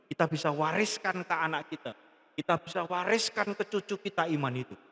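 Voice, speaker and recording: A pastor preaching a sermon in a large church hall, telling a story and acting out its dialogue in a lively way. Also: male voice, fairly high pitch, brisk. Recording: long church reverb.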